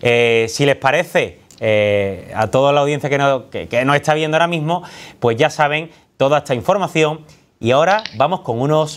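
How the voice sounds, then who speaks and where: A man speaks with a Sevillian accent at a moderate pace. His pitch is fairly high, with ordinary pitch variation. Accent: Andalusian Spanish (Sevillian). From Seville, Spain; Spain. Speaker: TV presenter. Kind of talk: TV talk show hosting. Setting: TV studio. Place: studio. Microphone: lapel.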